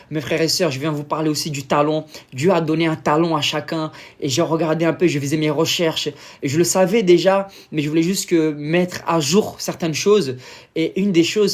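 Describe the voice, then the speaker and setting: A man from Brazil, a native Portuguese speaker with a Brazilian accent, giving an informal sermon in halting French with many fillers and pauses to search for words. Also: fairly high pitch, steady tone. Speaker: preacher.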